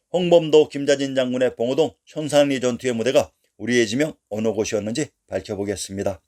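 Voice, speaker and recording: A man's voice: mid-range voice, darkish tone. A man giving scripted history narration, reading long lists of place names in an earnest, insistent lecturing tone.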